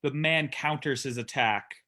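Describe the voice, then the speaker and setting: A man narrates a staged reading, delivering scene descriptions from a script. He speaks slowly and deliberately. His voice is mid-pitched, with a crisp, forceful brightness.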